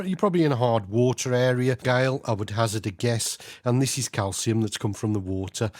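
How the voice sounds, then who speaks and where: A man's voice: lowish voice, dry recording, studio quality. An English man co-hosting a gardening podcast, explaining plant care in an easy-going way while recovering from covid. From England. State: ill with covid.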